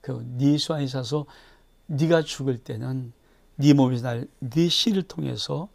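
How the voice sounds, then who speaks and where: Speaking at a measured pace in a medium-pitched, gravelly voice, a male pastor works his way through a Bible chapter, reading and preaching. His volume jumps between loud bursts and near-whispers, and he repeatedly asks the congregation questions.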